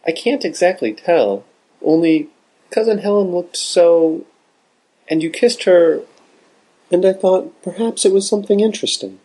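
A man's voice: sits high, expressive, measured pace, dark tone, breathy edge, pitched above the performer's own voice, full character voice, poor audio. A man voicing an eager young girl who earnestly pleads with her father in a storybook reading. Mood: curious.

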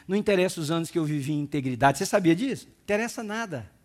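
A man with a Brazilian Portuguese accent, a pastor preaching a sermon with emphatic build-ups to shouts and asides to his congregation. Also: fairly high pitch, lively intonation, racing.

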